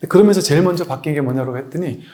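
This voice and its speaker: Male Buddhist teacher, a bit high-pitched, relaxed lecture style with anecdotes and rhetorical questions. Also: very fast. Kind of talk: dharma lecture.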